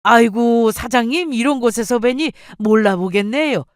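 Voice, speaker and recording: A woman's voice: on the high side, normal speed, clear, resonant tone, no room sound, voice pushed up, natural voice. Brief: a woman playing a courteous middle-aged dad in an audio story, deferential, dry close mic. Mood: surprised. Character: polite middle-aged man, the boyfriend's father.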